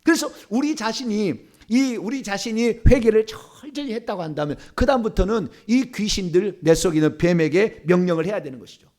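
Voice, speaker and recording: Male pastor, sermon delivery, strikingly high and animated pitch, emphatic. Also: fairly quick. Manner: emphatic, swings between soft asides and loud commands.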